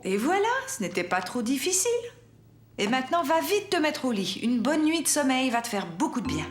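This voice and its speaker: Cartoon mother, high voice, expressive, coaxing, firm, light music underneath. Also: brisk. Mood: caring, coaxing. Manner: expressive, coaxing, clearly articulated. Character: caring, patient but firm mother of young children. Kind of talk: French cartoon dubbing.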